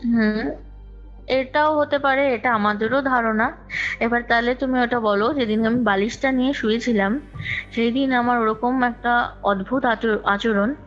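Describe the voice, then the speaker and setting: In an unhurried, steady voice on the high side, a woman tells the story of her own ghost experience as a guest. She is chatty, repeats phrases for emphasis, and mixes in some English words, heard through a dull lo-fi call recording with music playing beneath.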